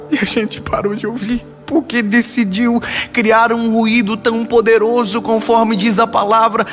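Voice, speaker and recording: A young man preaching in Brazilian Portuguese, telling a story and swinging from rising emphasis to low, hushed lines. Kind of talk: sermon with a story.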